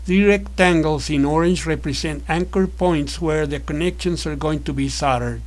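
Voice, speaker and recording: A man narrating a scripted electronics tutorial as an instructor, explaining in a measured, methodical way. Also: fairly high pitch.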